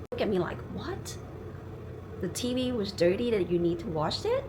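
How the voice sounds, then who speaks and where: With a Thai accent and ordinary pitch variation, a woman speaks against noticeable background noise. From Thailand. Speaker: English learning vlogger. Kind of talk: casual talk to camera.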